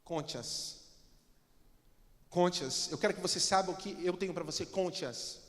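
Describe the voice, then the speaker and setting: A preacher doing God's solemn, commanding voice. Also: male voice, high-pitched, moderate pace, fairly bright tone, voice pushed down. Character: God speaking to Abraham, commanding and grand. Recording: church hall with long reverb.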